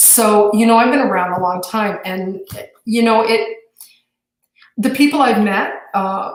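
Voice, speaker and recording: At a fairly slow pace with long, frequent pauses, a woman talks in a fairly high voice with ordinary pitch variation, and audible room echo surrounds her. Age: 60s. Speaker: fish show judge and club member. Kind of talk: casual chat.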